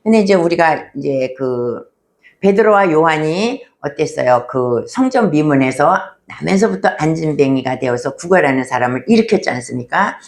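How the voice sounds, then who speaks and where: A woman's voice: low voice, expressive, moderate pace. Woman preaching with rhetorical questions. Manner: asks rhetorical questions and answers them, acts out quoted voices. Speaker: pastor. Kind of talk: sermon.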